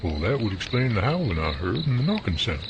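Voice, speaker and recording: A man's voice: on the low side, big pitch swings, a little fast, lo-fi sound, heavy background noise. A man voicing a friendly, polite camper in a radio drama. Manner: polite, easygoing. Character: friendly helpful male camper. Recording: night crickets behind.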